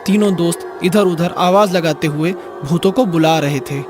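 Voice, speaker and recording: A man's voice: on the high side, moderate pace. A man narrating a scripted cartoon horror story as its storyteller. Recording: music behind the voice.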